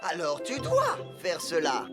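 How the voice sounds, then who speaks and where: A woman voicing a sly, flattering talent-show host creature in a French-dubbed children's cartoon, with a theatrical, coaxing manner. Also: lowish voice, measured pace. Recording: music behind the voice.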